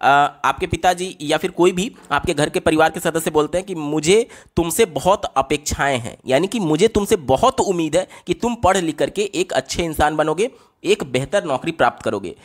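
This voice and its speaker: A man with a rather high voice walks students through exam questions. He asks a question, then answers it himself, and writes examples on a board as he goes. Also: lively intonation, normal speed. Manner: explains step by step, asks and answers his own questions, repeats "theek hai?"; writes on a board while explaining. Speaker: teacher solving exam papers. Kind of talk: exam-paper lesson explanation.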